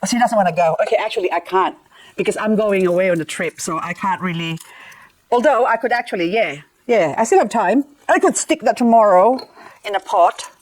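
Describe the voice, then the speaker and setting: A woman's voice: mid-range voice, a little fast, poor audio. A middle-aged woman raised in the Philippines, chatting playfully while cleaning up succulents in a casual vlog. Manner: chatty, playful, self-mocking asides. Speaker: gardening vlogger. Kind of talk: casual chat while repotting plants.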